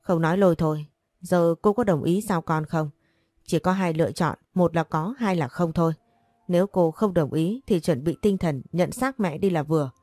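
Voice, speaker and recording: Woman voicing a menacing middle-aged gang boss, cold threats, low voice, storybook. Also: moderate pace, warm tone, dry recording, soft background music, lightly acted. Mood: threatening.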